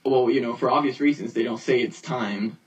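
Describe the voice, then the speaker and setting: A man chats loosely as a podcast co-host, hesitant and full of fillers. His voice arrives distant and husky, because it plays out of a speaker and is caught by a phone held up to it. The sound is thin and set back from the mic. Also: mid-range voice, fairly quick, lo-fi sound. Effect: remote call voice replayed through a speaker and picked up by a phone. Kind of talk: casual podcast chat.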